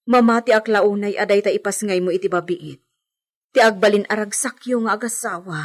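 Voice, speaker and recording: A woman's voice: medium pitch, a little fast, close to an everyday voice. Loyal housemaid, respectful and soothing, mid-range voice played by a woman. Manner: respectful, reassuring. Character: married housemaid, loyal and reassuring. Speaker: servant. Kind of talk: amateur audio drama acting.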